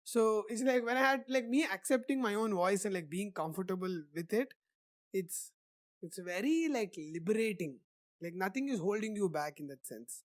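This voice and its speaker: A young man hosting a podcast answers interview questions casually, rambling and leaning heavily on "like" as filler. His voice is high-pitched and his speed normal, in studio quality with no room sound.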